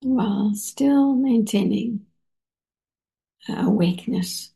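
A woman meditation teacher leading a guided meditation, unhurried and halting, with many soft pauses and fillers. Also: fairly high pitch, creaky. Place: meditation center.

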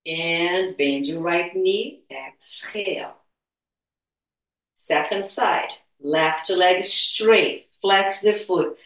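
A woman teaching guided meditation and gentle movement in a soothing, unhurried, spiritual healer-like manner. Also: lowish voice. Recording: echoey room, distant from mic.

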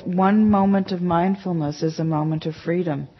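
A woman's voice: fairly low pitch, fairly even intonation, normal speed, slightly rough. Chatty woman giving a meditation talk. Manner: chatty, emphatic, full of "you know" asides. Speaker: meditation teacher. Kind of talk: conversational dharma talk to a class. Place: meditation center hall. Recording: dull lo-fi talk recording.

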